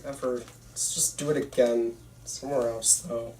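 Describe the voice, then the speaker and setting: A man's voice: medium pitch, steady tone, normal speed, dark tone. A man reading casual dialogue in an amateur table read. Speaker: table read participant playing a young filmmaker. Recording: echoey room, distant mic, faint noise.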